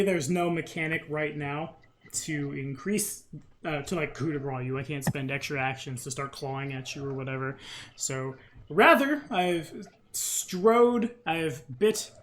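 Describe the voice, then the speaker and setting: A man's voice: a little high, a bit bright. A man running a tabletop role-playing game as game master, talking casually and muttering counts and rules aloud.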